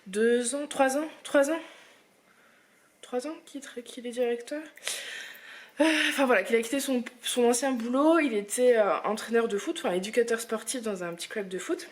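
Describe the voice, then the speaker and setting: Chatty young mother, slightly high voice. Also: moderate pace. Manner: chatty, switches to high sing-song voice for her toddler. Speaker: family vlogger and mother. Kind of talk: casual home vlog. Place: family home indoors.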